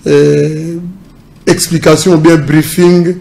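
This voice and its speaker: Congolese businessman, dark measured voice. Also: on the high side, little pitch movement, gravelly. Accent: Congolese French. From Congo Central, DR Congo. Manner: measured, formal, mixes in Lingala. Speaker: political analyst and businessman. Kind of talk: interview.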